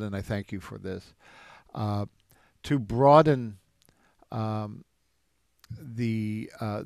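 A man's voice: on the low side, creaky, a little mellow, no echo. Reflective man telling stories, dry sound. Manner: reflective storyteller with frequent restarts. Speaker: jazz drummer and music educator. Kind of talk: interview answers.

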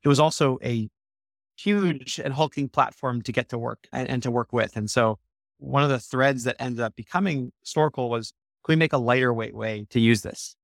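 A man in his thirties, a startup co-founder, answering interview questions quickly and animatedly, with many restarts. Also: medium pitch, vocal fry, no room sound, clean studio sound. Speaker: startup co-founder, podcast guest.

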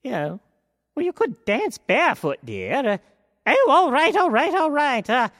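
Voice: sits high, huge pitch swings, measured pace, fairly bright tone, studio quality, voice pushed up, exaggerated voice. A storyteller voicing a fussy, tired old fairy godmother who dithers and frets, with a long hall reverb behind the voice. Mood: dithering. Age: older. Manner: dithering, flustered, chatty.

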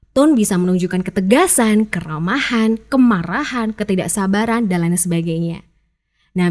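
A chatty woman explains speaking technique in a relaxed podcast lesson. Her voice sits on the higher side, and she keeps the tone upbeat. Now and then she acts out sample phrases. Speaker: public speaking coach.

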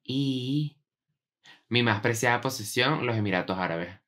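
A man's voice: medium pitch, a little slow, a bit bright. A young man, bantering in casual slang as a podcast co-host. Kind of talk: casual chat.

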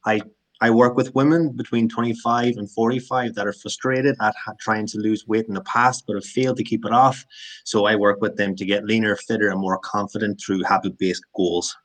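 Male fitness coach, west of Ireland accent, slightly deep voice, conversational delivery. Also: steady tone, brisk, fairly bright tone. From Galway, west of Ireland. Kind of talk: conversational question and answer.

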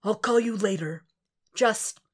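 A woman's voice: mid-range voice, measured pace, breathy edge, voice pushed up. A woman voicing a grim, impatient male vigilante in a story reading, with terse and threatening delivery. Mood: subdued.

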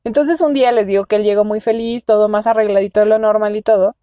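A woman's voice: mid-range voice, fairly even intonation, fast talker, warm tone, clean tone, dry recording, clean studio sound. A young woman with a Mexican accent tells a dating story in casual chat, laughing often and squealing when she quotes herself. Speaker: podcast co-host.

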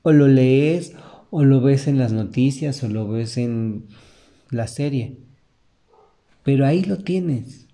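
A man's voice: mid-range voice, takes it slowly, pauses often, dark tone. A man with a Mexican accent hosting a podcast, talking in an earnest, motivational way straight to the listener. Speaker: podcast host. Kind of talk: reflective podcast monologue.

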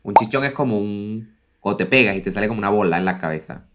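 A man's voice: lowish voice, quick pace, background noise. A young man with a Venezuelan accent, co-hosting a podcast with wry, teasing remarks and casual swearing. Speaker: podcast co-host. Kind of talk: casual chat.

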